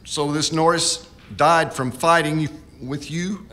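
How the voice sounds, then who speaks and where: An actor playing a principled frontier justice of the peace in a radio drama, speaking formally and deliberately. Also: male voice, fairly high pitch, fairly even intonation, fairly bright tone. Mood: probing. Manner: formal, deliberate, lawyerly questioning.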